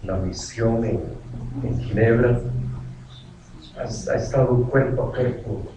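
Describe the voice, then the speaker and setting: A man from Costa Rica, an indigenous rights expert, giving an earnest, deliberate formal address at a meeting, with pauses and restarts. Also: mid-range voice, muffled recording. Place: large meeting hall. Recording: echoey room, distant mic, noisy.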